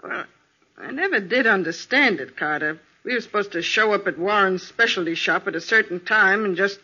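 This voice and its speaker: An actress playing a tough, slangy small-time American crook in a 1940s radio crime drama, grudging in manner. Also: female voice, medium pitch, normal speed, pushed and bright. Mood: defensive, grudging. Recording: dull vintage 1940s radio recording.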